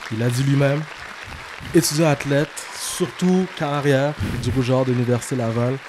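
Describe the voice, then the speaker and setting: Against crowd noise in the background, a man with a fairly high pitch talks at a moderate pace with ordinary pitch variation and long, frequent pauses. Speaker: podcast host and football coach. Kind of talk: casual chat. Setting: studio. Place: home room. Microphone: studio mic.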